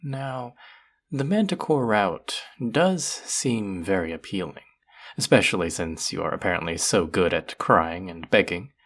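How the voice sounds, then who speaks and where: A man's voice: deep voice, creaky, husky, exaggerated voice. A man playing a cruel, powerful, vain sorcerer in a fantasy audio roleplay, speaking to the listener in a theatrical, menacing drawl.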